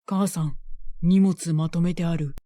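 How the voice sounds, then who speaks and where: A woman voicing a calm, terse young man who sleeps for years and talks flatly. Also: on the low side, a little slow, no room sound, clean studio sound, natural voice. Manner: flat, terse, matter-of-fact.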